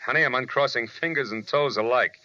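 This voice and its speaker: A man's voice: medium pitch, brisk, sharp tone, natural voice. An American man acting a wry, slangy, wisecracking private detective in a 1940s radio drama. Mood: wry, urgent. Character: hard-boiled wisecracking male private detective. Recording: noisy muffled old radio recording.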